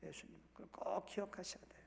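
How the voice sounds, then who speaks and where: A male pastor giving a Sunday sermon in a church sanctuary, speaking conversationally and putting questions to the congregation. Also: fast talker. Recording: reverberant church hall.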